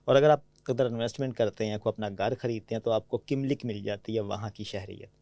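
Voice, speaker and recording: A man from Pakistan speaks with a Punjabi-tinged Urdu accent, telling anecdotes in an easy, conversational way and often pausing to check that the listener follows. His voice is mellow and dark. It was recorded close and dry, with no room sound. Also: fairly low pitch, steady tone, vocal fry, dry recording. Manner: anecdotal, frequently asks "theek hai?" to check understanding. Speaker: podcast guest. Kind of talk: conversational storytelling.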